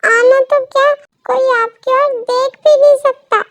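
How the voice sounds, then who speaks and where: A fiery, possessive young wife from a storybook, stern and scolding, voiced by a woman reader. Her voice is very high and gravelly. It is recorded close and dry. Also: steady tone, unhurried, fairly bright tone, no room sound, heavily acted. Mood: angry. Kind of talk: storybook role reading.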